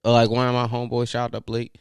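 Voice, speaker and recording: A man's voice: mid-range voice, completely flat delivery, racing, smooth, dry recording. Man, Baltimore accent, young adult, easygoing slangy podcast talk, dry close sound. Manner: laid-back, filler-heavy slang talk. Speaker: podcast co-host. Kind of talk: casual chat.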